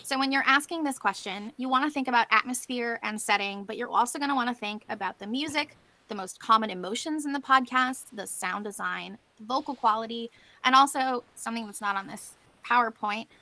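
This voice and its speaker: A woman's voice: on the high side, fairly quick, pushed and bright, dry recording. A woman giving an informal conference presentation as a panelist, explaining things in a conversational way.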